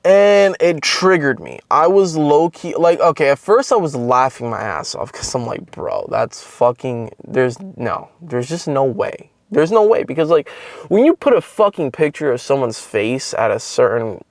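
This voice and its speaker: A man's voice: a little high, sing-song, normal speed, no room sound, studio quality. A young man who makes online content telling a personal story in a casual, rambling way, swearing often and leaning on filler words. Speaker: content creator.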